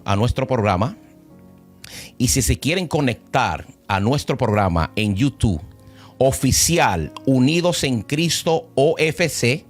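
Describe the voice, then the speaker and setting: A man co-hosting a Christian program, who introduces the show and teaches on Bible verses with frequent exclamations. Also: mid-range voice.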